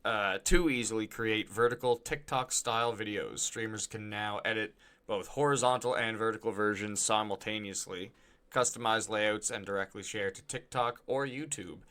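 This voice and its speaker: Bright-voiced chatty podcast host man. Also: lowish voice, moderate pace. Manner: chatty, enthusiastic, swears casually. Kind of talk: casual chat.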